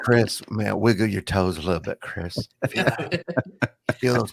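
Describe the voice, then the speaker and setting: A man puts on a character voice in a drawling Texan accent, pitched fairly low with lively intonation. He keeps a moderate pace, and the sound is dry and close with no echo. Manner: slow, drawling.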